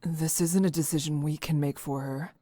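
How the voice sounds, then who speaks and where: Low, mellow, level-headed female protector. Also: fairly even intonation, dry recording. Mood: calm, measured. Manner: level, measured. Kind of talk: visual novel voice acting.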